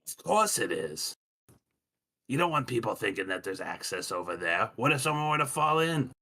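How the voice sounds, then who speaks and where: A man's voice: lowish voice, big pitch swings, normal speed, vocal fry, sharp tone, exaggerated voice. A man playing a brusque, condescending male safety inspector who blusters and talks down, with frequent ums. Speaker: player. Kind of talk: tabletop game role-play.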